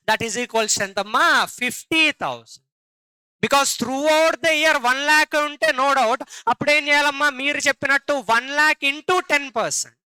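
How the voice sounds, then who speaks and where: Telugu-accented male lecturer, high and bright, dry close sound, quizzes the class as he goes. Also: smooth, no room sound, poor audio. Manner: repeats questions and calls on students for answers. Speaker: teacher. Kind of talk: classroom lecture with questions to students.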